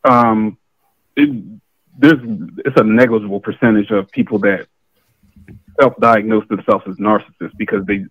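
A man, a guest, calmly explaining his views on a call, with halting fillers as he thinks. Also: fairly low pitch, no echo. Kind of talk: casual discussion on a call. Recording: tinny phone line.

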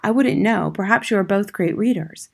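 A woman's voice: mid-range voice, normal speed, creaky, slightly rough. A frail yet resolute schoolteacher from a storybook, played by a woman narrator. She speaks politely and earnestly, with firm insistence. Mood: earnest, probing. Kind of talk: acted audiobook dialogue.

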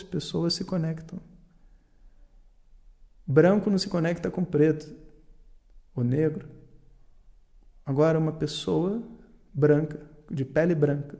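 A man with a Brazilian Portuguese accent giving an earnest, reflective monologue, explaining slowly with many pauses and fillers. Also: a little high, gravelly, warm tone.

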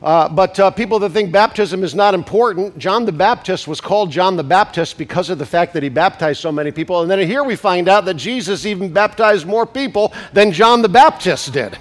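Congested preacher with a slightly high voice. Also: male voice, animated. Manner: rising to emphatic preaching at climaxes; slows down to stress key scripture words. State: congested from a cold. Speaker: pastor. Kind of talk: sermon.

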